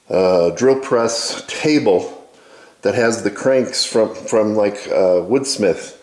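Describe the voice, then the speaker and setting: An echoey indoor recording of a man with a fairly low voice. He talks casually and haltingly, thinking aloud as he narrates a workshop tour from behind a handheld camera. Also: darkish tone. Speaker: woodworking video host. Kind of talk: informal narrated shop tour.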